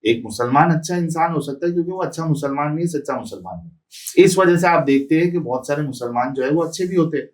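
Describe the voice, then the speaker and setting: A man's voice: a little high, fast, far from the mic. Emphatic man a bit off mic. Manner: emphatic, lists points one by one. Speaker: guest. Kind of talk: podcast interview.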